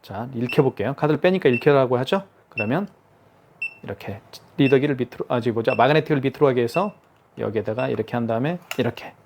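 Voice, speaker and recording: A man's voice: medium pitch, animated, fast talker, darkish tone, a little hiss or hum. Man patiently demonstrating a card terminal. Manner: patient step-by-step explaining, repeats himself. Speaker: product demonstrator. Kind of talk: hands-on product tutorial.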